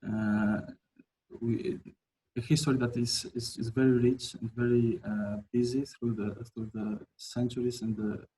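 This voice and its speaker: A man's voice: medium pitch, little pitch movement, unhurried, dark tone, a little hiss or hum, rough recording. A man from Albania presenting his architecture projects in a webinar, hesitant, with many fillers and restarts.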